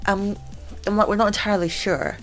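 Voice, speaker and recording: A young woman hosting a casual vlog chat. She stammers, repeating words and filling pauses with "um" and "like". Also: mid-range voice, fairly even intonation, soft background music. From Scotland. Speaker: channel host.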